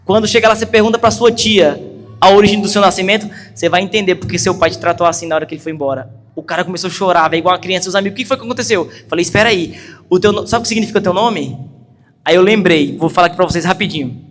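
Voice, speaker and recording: A man's voice: high-pitched, very fast, a bit bright. A man with a Brazilian Portuguese accent preaching a sermon, telling a story earnestly and building to urgent emphasis. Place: church hall. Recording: long hall reverb with faint music.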